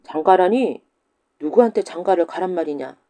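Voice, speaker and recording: A woman voicing a stern widowed village schoolmaster with a gruff, old-fashioned way of scolding, in a folktale audiobook. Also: lowish voice, moderate pace, dark tone, lightly acted.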